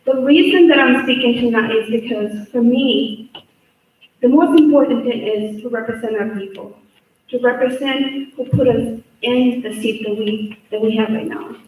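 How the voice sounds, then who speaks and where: A woman's voice: fairly high pitch, moderate pace, a little mellow, slight background noise. Earnest woman with Salvadoran Spanish accent. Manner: earnest, repeats phrases and restarts. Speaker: state representative giving public testimony. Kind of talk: public comment at a hearing. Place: large echoey hearing room. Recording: echoey hall, voice far from mic.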